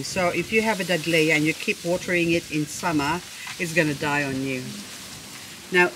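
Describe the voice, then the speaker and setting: A woman in a casual show-and-tell vlog, talking slowly and lingering over her words. Her voice sits a little low, and she gushes and admires as she chats. She jokes playfully with herself, with faint background noise behind her. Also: fairly bright tone. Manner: gushing, admiring, chatty. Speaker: succulent-growing vlogger.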